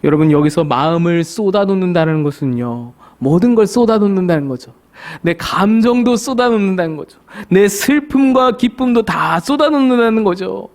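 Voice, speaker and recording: A man with a notably high voice preaches from a church sanctuary. He builds emphasis through short repeated phrases and asks the congregation rhetorical questions as the sermon unfolds. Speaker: pastor.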